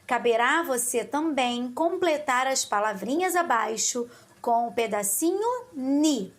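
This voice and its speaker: A high-pitched woman with a Carioca accent teaches young pupils in a recorded lesson. She talks slowly and patiently, in a sing-song tone. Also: lively intonation. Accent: Carioca Portuguese. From Brazil.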